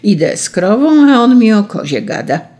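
A storyteller voicing an indignant old peasant farmer who shouts in outrage, raised high and loud above the narration. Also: animated, moderate pace, creaky. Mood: indignant shouting.

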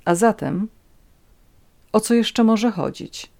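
A woman's voice: medium pitch, expressive, slow pace, vocal fry, darkish tone, pitched above the performer's own voice. A woman voicing a proud young woman who answers with bitter defiance. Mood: defiant.

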